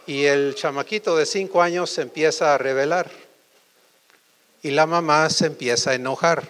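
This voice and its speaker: Guy preaching, voice sits kinda high, keeps quizzing the crowd. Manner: animated, quizzes the audience with quick questions. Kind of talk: sermon to a congregation.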